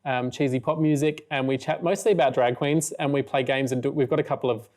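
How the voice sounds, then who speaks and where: A man chatting as an interview guest, upbeat and playful, speaking in quick run-on phrases. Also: mid-range voice, steady tone, a little mellow. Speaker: guest, regional manager and radio presenter. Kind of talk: casual interview chat.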